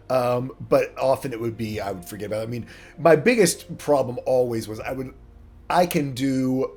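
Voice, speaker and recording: A man's voice: medium pitch, darkish tone, husky. A man who runs a tabletop game, talking casually with his players and rambling through plenty of fillers and self-deprecating asides. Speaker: game master. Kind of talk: casual cast chat about a tabletop game.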